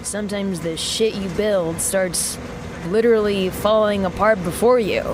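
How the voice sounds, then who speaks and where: A woman's voice: mid-range voice, fairly even intonation, a little slow, background noise, lightly acted. An actress playing a brash, self-assured young woman mechanic in a sci-fi audio drama, talking wryly into a recording as if interviewing herself. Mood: confident, wry. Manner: wry, self-interviewing, casually sweary.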